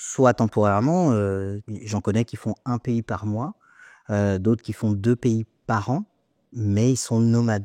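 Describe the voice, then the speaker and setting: Against a quiet background, a man talks at a fairly slow pace with fairly even intonation in a dry, close sound with no echo. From France. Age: 40s. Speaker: entrepreneur. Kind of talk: interview.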